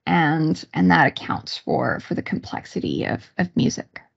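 A woman giving an explanatory online lecture, speaking haltingly with pauses mid-sentence over a video call. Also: low voice, sing-song, vocal fry, muffled recording. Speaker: university psychology lecturer. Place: small room indoors, on a video call.

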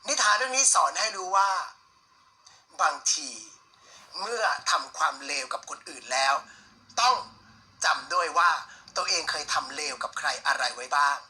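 A man presenting a story in a broadcast style, delivering it deliberately in short, pointed phrases. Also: a little high, sing-song, pushed and bright, rough recording.

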